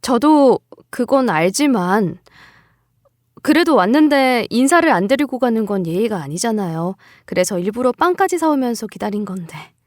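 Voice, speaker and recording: A woman's voice: a little high, lively intonation, brisk, no echo, studio quality, close to an everyday voice. A woman voicing a wounded, defiant young daughter-in-law. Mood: apologetic. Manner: pleading, tearful defiance. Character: young widowed daughter-in-law, hurt but standing up. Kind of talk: dramatized story reading.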